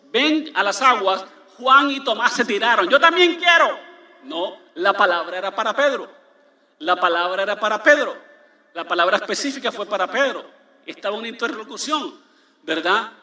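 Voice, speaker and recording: Pastor enfático de voz aguda y brillante. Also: male voice, high-pitched, pushed and bright, echoey room. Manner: emphatic, repeats key words, asks the congregation questions. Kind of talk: sermon. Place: large church.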